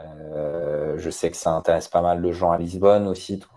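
A man speaks with a very deep, low pitch and a dark, mellow tone. His pace is moderate, and the background is quiet. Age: 40s. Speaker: crypto investment lead. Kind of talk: interview. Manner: halting. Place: office.

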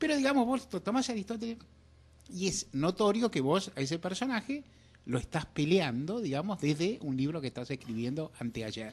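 With an Argentine accent, a man speaks at a moderate pace, his pitch swinging very widely. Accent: Rioplatense Argentine Spanish. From Argentina. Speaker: radio host. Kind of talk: radio interview. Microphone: studio mic.

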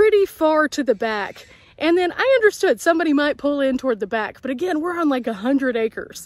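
Recorded dry with no echo, a woman speaks with lively intonation. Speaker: van life vlogger. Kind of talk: casual vlog chat. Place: open country. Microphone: phone near.

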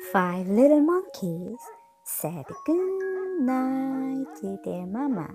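Clear music plays in the background while a woman speaks very slowly at a high pitch with very wide pitch swings. The sound is dry, with no echo. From South Korea. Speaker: storyteller. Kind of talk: reading aloud; book introduction. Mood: warm, playful.

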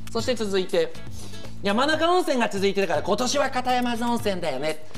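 Faint music plays in the background as a man speaks with very wide pitch swings. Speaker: TV presenter. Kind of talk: TV studio presenting. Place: studio. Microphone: lapel.

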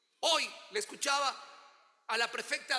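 In a quiet background, a man speaks in a raised, projected voice. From Ecuador, Tungurahua province. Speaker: legislator. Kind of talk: parliamentary speech. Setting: legislative chamber. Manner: formal. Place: hall. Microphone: podium.

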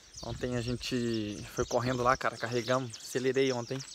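A man talks in a monotone, his intonation flat, against noticeable background noise. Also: dry sound with no echo. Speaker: truck driver vlogger. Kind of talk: casual vlog narration. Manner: speaking quietly. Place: open country. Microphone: phone near.

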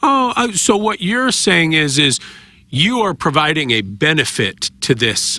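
Speech comes at a fairly slow pace, with very wide pitch swings and vocal fry. The tone is bright and sharp, the sound dry with no echo, and the background quiet. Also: man, fairly high pitch for a man. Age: 50s. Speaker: sports radio co-host; radio show host. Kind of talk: casual chat. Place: studio. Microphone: studio mic.

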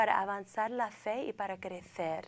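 A woman is speaking. Her pace is very slow. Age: young. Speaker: guest. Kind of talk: interview. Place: studio. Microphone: lapel.

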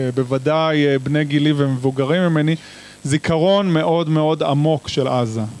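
Speaking at a fairly slow pace, this man has a fairly high pitch. The sound is dry, with no echo. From Israel. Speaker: activist. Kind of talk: speech. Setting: stage with audience. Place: hall. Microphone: handheld.

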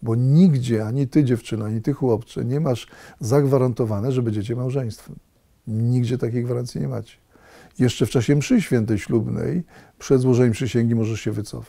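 A man's dark, mellow voice at medium pitch, moderate pace, quiet background. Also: ordinary pitch variation. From Poland. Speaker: priest. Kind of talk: religious teaching talk. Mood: warm, earnest, smiling. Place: studio. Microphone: lapel.

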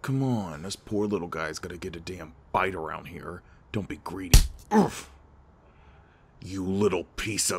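A man puts on a character voice with a very deep, low pitch, speaking at a moderate pace with long, frequent pauses. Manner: taunting, hostile.

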